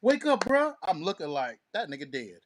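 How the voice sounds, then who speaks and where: A man co-hosting a casual radio talk show, talking in slangy, profane, animated banter and storytelling. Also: high voice, moderate pace, a little hiss or hum.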